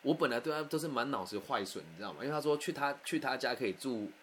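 A man telling a personal anecdote in a candid, animated, conversational way. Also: mid-range voice, fast, a little hiss or hum. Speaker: storyteller.

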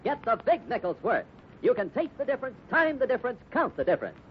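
American male announcer, high lively sales delivery, 1950s radio, muffled and faintly hissy. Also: fast talker.

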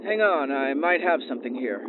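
An actor playing a male deep-sea diver who gives clipped, matter-of-fact reports over a diving helmet radio intercom. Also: expressive, normal speed. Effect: helmet radio intercom, diving suit comms. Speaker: diver on an exploration team. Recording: tinny radio comms with static.

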